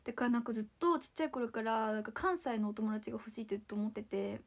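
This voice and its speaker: A young woman from Saitama talks in a bright, high voice touched with a slight gravelly fry. She chats casually and bubbly on a livestream, thanking viewers one by one and now and then dropping to a whisper. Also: rapid-fire. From Saitama, Japan. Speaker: idol livestreaming and reading viewer comments.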